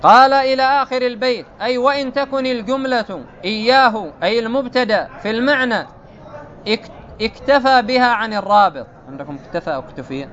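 A grammar teacher with a notably high, slightly bright voice leads a classical Arabic grammar lesson at a fairly quick pace. He explains each rule step by step and pauses to quiz his students with repeated checks. The recording is dull and lo-fi.

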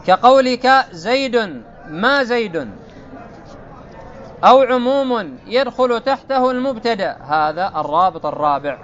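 A man with a notably high voice leads a grammar lesson, laying out each rule in turn and stopping to quiz his students. The recording is dull and lo-fi. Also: expressive, unhurried, fairly bright tone. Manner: explains step by step, quizzes students with repeated checks. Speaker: grammar teacher. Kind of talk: classical Arabic grammar lesson.

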